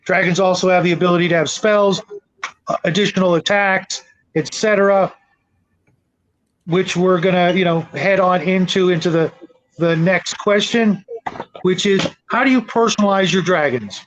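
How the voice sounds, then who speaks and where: A man talking casually in a group discussion, halting a little as he thinks aloud. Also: sits high, steady tone, a little hiss or hum, rough recording. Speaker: panelist leading a tabletop gaming discussion.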